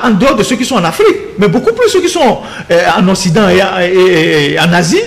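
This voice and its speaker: A man speaking as a political commentator in a heated panel debate, indignant and insistent, repeating words as he builds each point. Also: high-pitched. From Togo.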